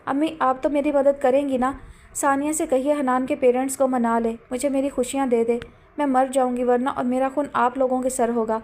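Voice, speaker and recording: A desperate young woman pleads and insists, high-voiced and stubborn, as a woman narrator puts her on. An audiobook drama sister with a raw, demanding edge. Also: level tone, a little mellow, natural voice. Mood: pleading.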